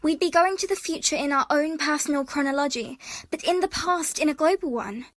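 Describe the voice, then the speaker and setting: A woman's voice: high voice, a little fast, no room sound, close to an everyday voice. A woman playing a cynical, bluntly pedantic young woman with a dry manner in an audio drama.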